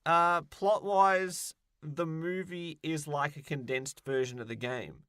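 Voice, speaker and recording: A man's voice: on the high side, steady tone, takes it slowly, sharp tone, smooth, dry recording, studio quality. A man co-hosting a podcast, chatting casually about what he is reviewing with wry, sarcastic humour. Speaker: podcast co-host.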